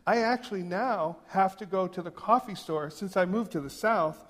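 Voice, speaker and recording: Man, pastor, chatty storytelling sermon, slightly high voice, large echoing sanctuary. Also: a bit bright. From New Hampshire. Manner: conversational and joking, reads quotes slowly. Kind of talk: sermon with personal stories. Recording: long reverb of a big hall.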